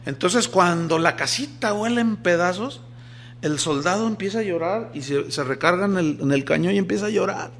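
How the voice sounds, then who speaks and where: A man's voice: high-pitched, moderate pace, fairly bright tone, a little hiss or hum. A middle-aged man preaching a sermon, emphatic, telling stories and asking rhetorical questions. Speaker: pastor.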